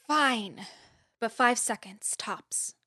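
A woman playing an earnest, serious-minded writer in an audio drama, precise, deadpan and easily exasperated. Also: a little high, drawn-out words. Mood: reserved, serious.

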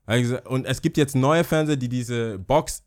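A man's voice: medium pitch, a little fast, a little mellow. A young man, native Twi speaker from Ghana with a slight Ghanaian accent, telling a story in a casual chat, acting out the voices of others and laughing often.

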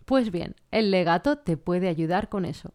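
A woman vocal coach explaining singing technique in a clear, patient way. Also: fairly low pitch, animated, moderate pace, a little mellow. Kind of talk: singing lesson with sung vocal examples.

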